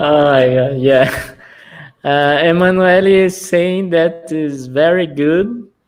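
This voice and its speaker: Audible room echo surrounds the speaker. A man with a fairly high pitch talks at a very slow pace. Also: ordinary pitch variation. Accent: Portuguese. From Brazil. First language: Portuguese. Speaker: podcast host. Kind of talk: interview on live stream. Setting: live YouTube session.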